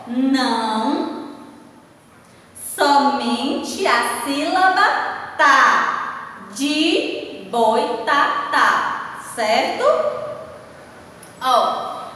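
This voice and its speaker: A woman's voice: high voice, pushed and bright, heavy reverb, in a large hall, distant mic, poor audio. A woman teacher with a Brazilian Portuguese accent, giving a patient lesson to children and often checking that they follow. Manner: patient, checks understanding with frequent tag questions. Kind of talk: recorded classroom lesson for children.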